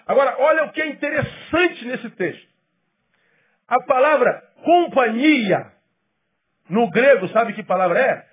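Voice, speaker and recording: A male pastor preaches a sermon with a fairly high, husky voice. He leans hard on key phrases, then falls to soft, low asides. The recording is thin and phone-like. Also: animated. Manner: emphatic preaching with sudden drops to quiet, low asides; acts out quoted people in quick bursts.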